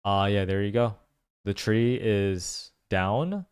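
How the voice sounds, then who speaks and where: A man giving casual reaction commentary, thinking aloud in halting phrases. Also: on the low side, a little mellow, smooth, dry recording, studio quality, soft background music. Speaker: video commentator.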